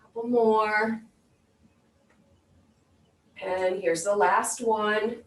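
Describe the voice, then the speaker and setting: A woman's voice: mid-range voice, fairly even intonation, very slow. A woman fitness instructor leading an exercise class, giving step-by-step instructions and counted cues. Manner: clear step-by-step cueing. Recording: roomy echo, distant microphone.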